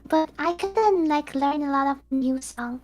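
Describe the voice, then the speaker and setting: High-voiced young woman. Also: unhurried, a little mellow, soft background music. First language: Chinese. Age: young adult. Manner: modest, hesitant, simple phrasing. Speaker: guest. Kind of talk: casual streamed chat.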